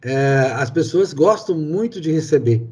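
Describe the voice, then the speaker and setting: A man's voice: on the high side, expressive, unhurried, a little mellow, husky. A man hosting an interview, telling local history in a loose storytelling way. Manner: storytelling, many fillers and restarts. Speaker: host. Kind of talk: conversational interview.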